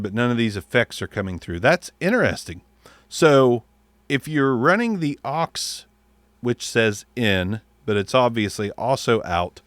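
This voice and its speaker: A man's voice: mid-range voice, fairly bright tone, no room sound. A man casually reviewing a microphone, blunt and a little profane, thinking aloud as he tests it. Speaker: mic reviewer.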